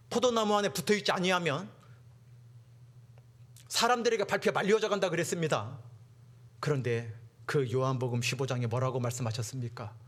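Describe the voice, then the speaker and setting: A man preaching a dramatic sermon to teenagers, acting out mocking classmates and swinging from hushed to loud. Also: on the high side. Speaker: youth preacher.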